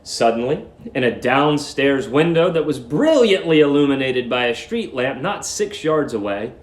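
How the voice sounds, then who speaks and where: A man with a mid-range voice speaks as a teacher leading a live reading. His delivery is that of someone presenting and narrating a story to students. The room adds a clear echo around the voice. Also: mid-range voice. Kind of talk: live read-aloud lesson, dramatic story narration. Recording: roomy echo.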